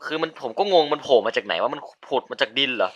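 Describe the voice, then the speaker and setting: A man giving casual let's-play commentary, chatty and given to sudden yelps and shouts. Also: medium pitch, expressive, fast, slight background noise. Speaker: gaming video host.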